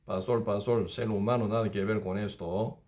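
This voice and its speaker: A man preaching a Bible study as a pastor, speaking with halting phrasing, repeating himself and often adding tag questions. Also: lowish voice, fairly even intonation, darkish tone. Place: church.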